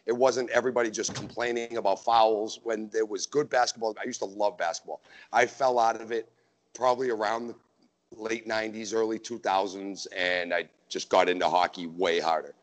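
A man's voice: on the low side, steady tone, normal speed. A man about to turn forty in casual chat, emphatic and opinionated, building his points in lists. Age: 30s. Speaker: podcast co-host.

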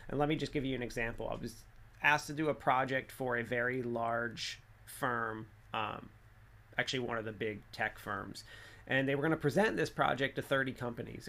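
A man's voice: mid-range voice, gravelly, fairly bright tone. A man giving casual, rambling advice to viewers about instructional design, with lots of fillers and restarts. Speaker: instructional design host answering viewer questions.

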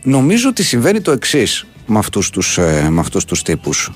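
A man hosting a Greek sports radio show in casual banter, talking with lively ups and downs. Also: soft background music. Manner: animated, jumps up and down in pitch.

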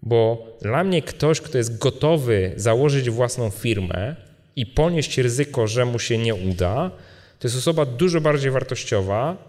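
A man's voice: mid-range voice, animated, a little slow, darkish tone. Digressive man speaking in a reverberant hall. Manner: digressive, often adds tag questions. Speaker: speaker answering audience questions. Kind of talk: informal question-and-answer talk. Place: event hall at a live meetup. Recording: live hall with long reverb.

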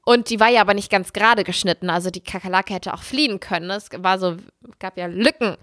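A woman telling a story in casual chat, animated and dramatic, jumping up into squeals when she relives the fright. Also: medium pitch, quick pace, dry recording, studio quality.

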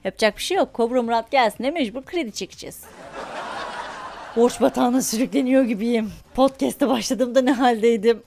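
High-voiced, chatty woman podcast host. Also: brisk, vocal fry. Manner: animated, chatty, laughs often while telling a story. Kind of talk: casual storytelling monologue.

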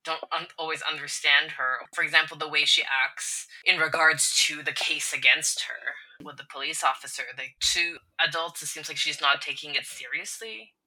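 Low-pitched woman, very bright tone, chatty podcast co-host, laughs a lot. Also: steady tone, moderate pace, few pauses, poor audio. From not from Scotland. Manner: chatty, laughs often, many "like" fillers. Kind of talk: casual book discussion.

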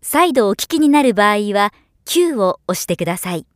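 A woman giving scripted narration as a professional voiceover artist, with a measured, polished delivery. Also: mid-range voice, very animated, no room sound, studio quality.

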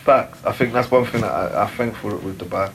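A man's voice: on the low side, brisk, a bit bright, low-quality recording. A young man hosting a podcast, talking in a laid-back, slangy way full of fillers. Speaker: podcast host. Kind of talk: casual interview chat.

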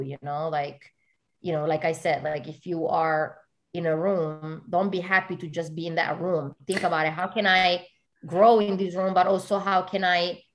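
A woman from Italy, a guest in an interview, talking in an earnest, casual way and filling her speech with "you know" and "like". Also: lowish voice.

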